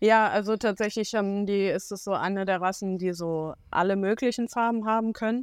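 A woman with a plain, everyday voice talks at a moderate pace and medium pitch, her intonation fairly even, with hardly any pauses against a quiet background. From Germany, Frankfurt area. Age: 20s. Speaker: horse trainer. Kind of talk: casual interview.

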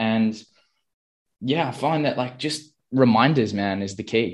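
Over a quiet background, a man speaks at a moderate pace with an Australian accent. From Australia (Perth). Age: 20s. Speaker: men's coach. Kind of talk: casual chat; guided meditation.

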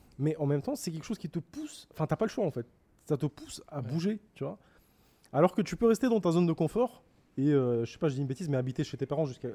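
Very fast and lively in intonation, a man with a fairly high pitch and a dark, mellow tone comes through in a dry, close sound with no echo on a very clean recording with a silent background. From Paris suburbs (Seine-Saint-Denis, 93). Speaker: business owner, car window tinting franchise founder. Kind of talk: interview. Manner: hesitant, many fillers.

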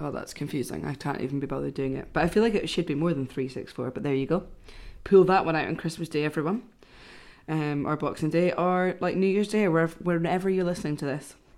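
The speaker has a Scottish accent. The pace is very fast. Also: woman, fairly low pitch for a woman, ordinary pitch variation. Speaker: podcast host. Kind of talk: casual chat. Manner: animated.

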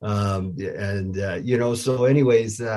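In a Canadian accent, a man talks with an ordinary speaking voice and a fairly low pitch. His pitch variation is ordinary, and the background is quiet. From northern Alberta, Canada (Grande Prairie). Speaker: retired hockey goalie. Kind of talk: interview.

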